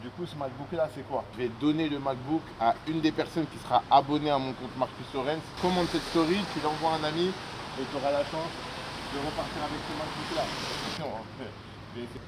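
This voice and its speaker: A young entrepreneur vlogs casually to the camera while traveling, speaking briskly in a slightly high voice with hyped, slangy street talk. Traffic and street noise fill the background.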